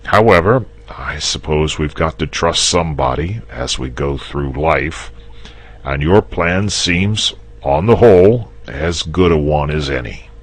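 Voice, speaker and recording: A man's voice: extremely low pitch, animated, a little slow, slightly rough, full character voice. A man voicing a lazy, fussy male dragon in a storybook reading, speaking coyly and a bit testily. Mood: mild. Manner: wavering, testy, gently pleading.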